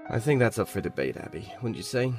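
A man's voice: on the low side, very animated, quick pace, music in the background. An actor playing a rebellious young man with a dry, mocking sarcasm in an audio drama. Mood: sarcastic. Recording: noisy background.

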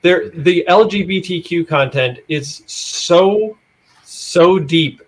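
A woman with a low voice talking casually and earnestly as a podcast guest, explaining her field. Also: breathy edge. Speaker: podcast guest, audio drama creator. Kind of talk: casual conversation.

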